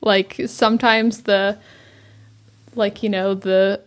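A woman's voice: mid-range voice, flat delivery, slow pace. A young woman and new mother co-hosting a podcast, telling stories in a casual, conversational way with frequent fillers. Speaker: podcast co-host. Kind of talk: casual chat.

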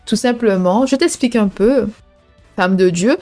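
A woman's voice: mid-range voice, measured pace, warm tone, faint music behind. A woman in her thirties hosting a Christian podcast, speaking to her listeners in a casual, personal way with many fillers and a preaching tone. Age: 30s. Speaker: podcast host. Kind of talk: faith podcast talk addressed to listeners.

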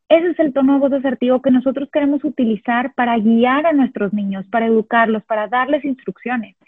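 A woman calmly explaining parenting steps one at a time, sometimes acting out the phrases she would say to a child. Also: a little high, no room sound. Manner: calm step-by-step explaining, models phrases to children. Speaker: parenting educator. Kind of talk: instructional talk on positive discipline. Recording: husky voice over a tinny phone-like line.

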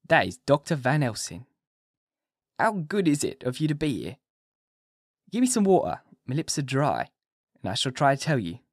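A man's voice: mid-range voice, big pitch swings, moderate pace, long pauses, dry recording, studio quality. A man voicing a dying male asylum patient who talks in urgent, strained pleading. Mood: feverish.

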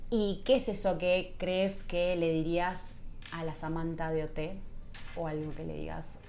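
A woman interviewing a singer, asking friendly questions with soft diminutives. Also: sits low, little pitch movement, unhurried, a little hiss or hum.

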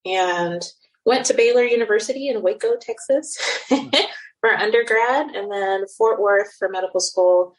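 A woman's voice: medium pitch, unhurried, rough recording. A woman in her thirties from Nigeria and the Netherlands with a general American accent, a surgeon answering interview questions in an earnest, reflective way. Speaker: cosmetic surgeon guest. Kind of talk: interview conversation.

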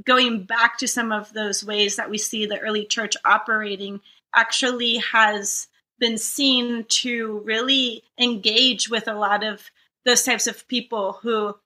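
Woman guest from Costa Rica, slightly high, bright forceful voice, relaxed chatty delivery. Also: unhurried. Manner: relaxed, conversational, uses filler "like". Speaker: guest, ministry leader. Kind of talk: casual interview chat.

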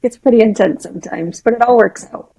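A woman's voice: on the high side, brisk, creaky, warm tone, husky, poor audio. A woman co-hosting a podcast in an easygoing, agreeable way. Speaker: podcast co-host. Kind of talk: casual podcast interview.

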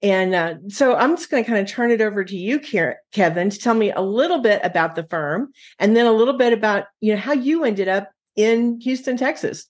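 A woman's voice: medium pitch, animated, brisk, hardly any pauses. Woman interviewer, chatty and encouraging. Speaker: podcast host. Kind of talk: podcast interview.

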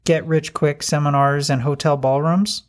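A man's voice: on the high side, fairly even intonation, normal speed. A wisecracking man co-hosting a podcast in casual chat, with wry remarks. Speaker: podcast co-host.

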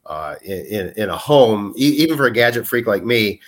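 A man's voice: lowish voice, very animated, moderate pace. A man speaking as a podcast guest, explaining ideas at length in a hesitant way, full of fillers and restarts. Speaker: guest, product manager. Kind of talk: podcast interview.

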